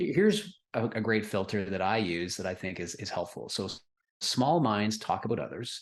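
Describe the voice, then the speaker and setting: This man has a plain, everyday voice with a fairly low pitch and ordinary pitch variation. He talks at a moderate pace against a quiet background. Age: 50s. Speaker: entrepreneur, toy maker. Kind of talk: interview conversation.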